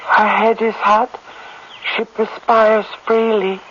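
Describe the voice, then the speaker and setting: An actress playing a gentle, devoted young tribal woman in a radio drama, earnest and simply formal in her phrasing. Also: medium pitch, level tone, slow pace, close to an everyday voice. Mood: concerned. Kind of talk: 1970s radio drama acting. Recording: muffled, hissy old radio recording.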